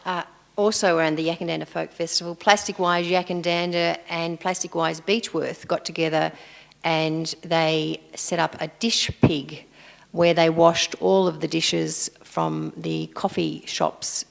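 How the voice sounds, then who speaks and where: A female councillor giving an unhurried, conversational report at a council meeting. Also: low voice, steady tone, vocal fry. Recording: long hall reverb.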